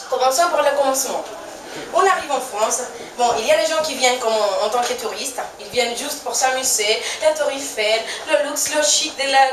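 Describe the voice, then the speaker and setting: A woman from Venezuela with a Venezuelan Spanish accent, a native Spanish speaker in her twenties, doing a chatty, self-mocking stand-up show and laughing at her own jokes. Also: high voice. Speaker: stand-up comedian. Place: stage in a small venue with a live audience. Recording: echoey room from far off, noisy.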